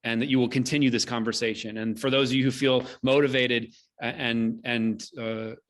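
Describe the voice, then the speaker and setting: A man hosting an online event, giving measured, solemn closing remarks with deliberate rhetorical repetition. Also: medium pitch, level tone. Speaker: host, theater company director. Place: indoors, online video call.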